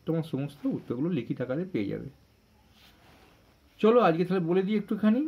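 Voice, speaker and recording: Husky man teaching a lesson. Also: a little high. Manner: conversational, asks questions and answers them himself. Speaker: primary school teacher giving question-answer lesson. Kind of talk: informal explanatory lesson. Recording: dull lo-fi sound.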